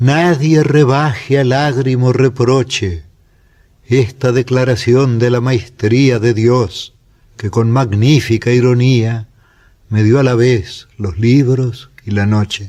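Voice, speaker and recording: Speaking at a very slow pace, a man holds a medium pitch and fairly even intonation. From Argentina. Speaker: writer and poet. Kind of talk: poetry reading. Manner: slow, measured.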